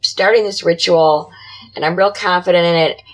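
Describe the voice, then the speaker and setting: Faint background music accompanies a lowish female voice at normal speed, captured in a low-quality recording. As a podcast guest, she conversationally tells her own paranormal stories in terse, dramatic, matter-of-fact phrases.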